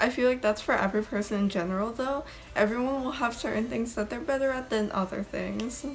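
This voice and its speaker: A woman's fairly high voice carries ordinary pitch variation, and noticeable background noise sits under it. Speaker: beauty and lifestyle YouTuber. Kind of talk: casual vlog talk. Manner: pausing, halting.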